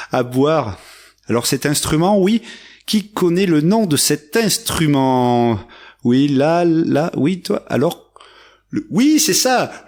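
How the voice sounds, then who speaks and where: A male radio host presenting a children's story hour, playful and chatty. He addresses his listeners directly at a slow, unhurried pace. His voice sits at a middle pitch.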